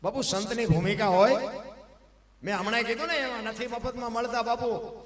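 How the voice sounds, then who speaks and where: High-voiced storyteller on stage. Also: male voice, steady tone, moderate pace, recorded from a distance. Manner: emphatic, swells to loud declamation. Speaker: dayro storyteller. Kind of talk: devotional folk storytelling on stage. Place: live stage program. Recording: echoey hall with long reverb.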